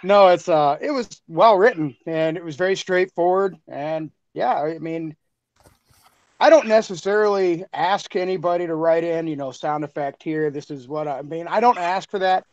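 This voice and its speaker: A man's voice: fairly high pitch, normal speed, no echo, lo-fi sound. A man who edits the show's sound, speaking easygoingly through earbuds. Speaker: sound editor. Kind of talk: casual chat on a video call.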